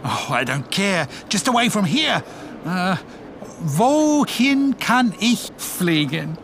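An actor playing an eager, flustered English-speaking traveller who hesitates and exclaims in a radio drama. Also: male voice, sits high, sing-song, takes it slowly, a bit bright, slight background noise, exaggerated voice. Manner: hesitant, exclamatory, switching languages.

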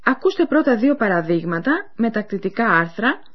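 Woman presenter with lively, animated pitch. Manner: clear, explanatory, addresses listeners. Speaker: radio language-course presenter. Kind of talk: scripted educational narration. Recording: dull lo-fi radio recording.

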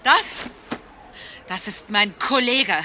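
Casting: a furious policewoman, bright high voice, hurling insults. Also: lively intonation, slow, slight background noise, full character voice. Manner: angry, shouting insults. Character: furious young policewoman, shot by her partner.

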